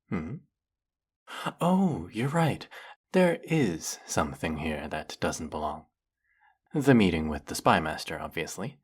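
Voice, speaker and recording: A man playing a flirty, fanatically devoted demon familiar in a dramatic audio roleplay, with fawning, formal diction and a breathy, husky voice. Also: low-pitched, heavily acted. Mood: dutiful, wistful. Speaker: voice actor. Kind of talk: dramatic roleplay monologue spoken to the listener.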